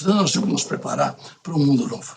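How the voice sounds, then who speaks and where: Against noticeable background noise, a man talks at a fairly high pitch with lively intonation. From Brazil, Santos (São Paulo coast). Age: 80s+. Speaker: lawyer, law firm founder. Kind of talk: interview. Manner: formal.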